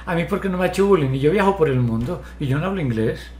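A man with a slightly raised pitch talks in a direct, lecturing way, pressing with question after question. He is on a video call from a home study, and the sound is roomy with a faint hiss of ambience behind him. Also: expressive, fast, darkish tone. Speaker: hypnotherapist. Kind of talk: online therapy session.

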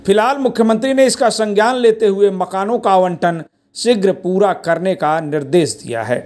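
A male reporter with a high voice narrates a news package in a steady, formal manner. His delivery is clean and scripted, as in a TV report voice-over. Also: normal speed, slight background noise.

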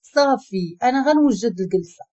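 A woman voicing a sharp, hurt young wife, speaking with a Moroccan accent in a clipped, pleading way. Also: a little high, expressive, a little fast. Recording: dull lo-fi recording.

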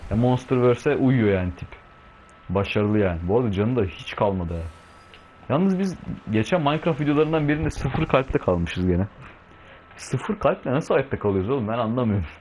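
A man's voice: medium pitch, animated, normal speed, darkish tone, slight background noise. A young man giving casual let's-play commentary at home, slangy and bantering with the game's monsters and his cat. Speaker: gaming video host.

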